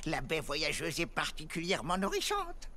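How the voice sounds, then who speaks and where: A woman's voice: low voice, huge pitch swings, normal speed, pushed and bright, exaggerated voice. A woman voicing a courteous, wise grown-up in a dubbed children's cartoon, speaking in a ceremonious, theatrical way. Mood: approving.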